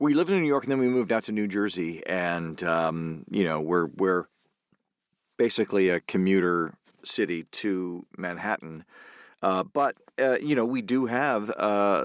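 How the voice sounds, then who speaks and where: A man's voice: sits low, smooth, dry recording, studio quality. A man from Canada with a North American accent, a voice actor chatting casually and hesitantly in an interview from a soundproof booth. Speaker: voice actor and audiobook narrator. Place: small soundproof recording booth.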